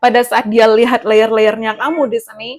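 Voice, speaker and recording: A woman's voice: on the high side, little pitch movement, moderate pace, darkish tone. A woman giving a casual tarot reading straight to the listener, chatty and rambling. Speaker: tarot reader.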